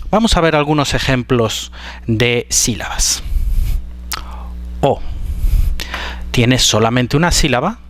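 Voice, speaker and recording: A man teaching pronunciation, explaining syllable structure slowly and carefully, stretching out example words. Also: medium pitch, fairly bright tone, no room sound. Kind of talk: explanatory lesson.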